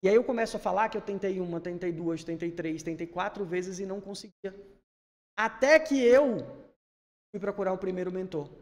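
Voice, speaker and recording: Energetic man in a reverberant hall. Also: sits high, brisk. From Salvador, Brazil. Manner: energetic, emphatic, rising bursts when he gets worked up. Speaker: speaking coach. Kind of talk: instructive conversation.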